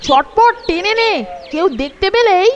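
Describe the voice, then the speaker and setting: High-pitched eager little schoolboy. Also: female voice, expressive, a little slow, dull audio, slight background noise. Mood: wary, urgent. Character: eager, wary young schoolboy sidekick. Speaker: cartoon voice actor. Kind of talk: children's cartoon acting. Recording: loud children's music behind the voice.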